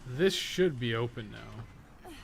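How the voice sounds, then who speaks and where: A man with a mid-pitched voice talks through a game as he plays. He thinks aloud in an informal, rambling way and swears casually. There is noticeable noise behind him. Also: animated, slow. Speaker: game streamer and podcast co-host. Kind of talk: casual live gameplay commentary, thinking aloud. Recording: clearly noisy stream audio.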